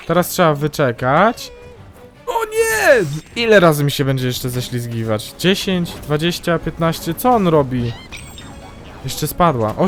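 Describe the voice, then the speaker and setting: A young man commentating his own gameplay, excitable and yelping loudly whenever something goes wrong. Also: on the high side. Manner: excitable, yelps and shrieks at mishaps. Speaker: gaming YouTuber. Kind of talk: let's play commentary.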